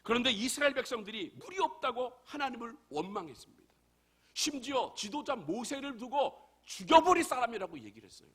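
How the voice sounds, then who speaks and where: Pastor guy preaching hard, high voice that jumps all over, keeps asking the crowd questions. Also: expressive, fairly quick, fairly bright tone, slightly rough. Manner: emphatic preaching with rhetorical questions to the congregation. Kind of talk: sermon.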